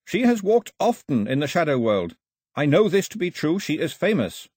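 A man voicing an earnest young girl who solemnly relays an old healer's words in measured phrases. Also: a little high, sing-song, a little mellow, breathy edge, no echo, studio quality, pitched above the performer's own voice.

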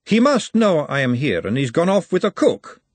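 A man voicing an imperious aristocratic noblewoman in an audiobook, with a husky, emphatic manner. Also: fairly high pitch, big pitch swings, moderate pace, no room sound, voice pushed up. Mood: lofty. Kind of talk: audiobook character voice.

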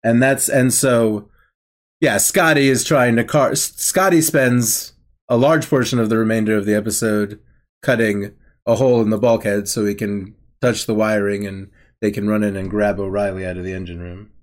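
A man's voice: fairly low pitch, steady tone, moderate pace. A man co-hosting a casual podcast, recapping a TV episode with wry, laughing asides. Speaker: podcast co-host.

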